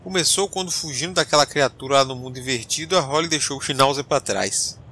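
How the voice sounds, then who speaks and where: A man playing an excitable, hapless starship captain telling his adventures in an audio drama. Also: medium pitch, fairly quick, slight background noise. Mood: storytelling. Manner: animated, colloquial.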